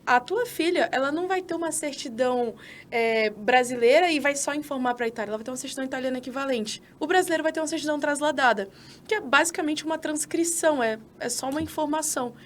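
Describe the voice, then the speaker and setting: A Brazilian woman with a Brazilian Portuguese accent talks fast in a high voice, with a little hiss or hum on the recording. As a podcast co-host and citizenship consultant, she speaks casually and persuasively, addressing listeners directly.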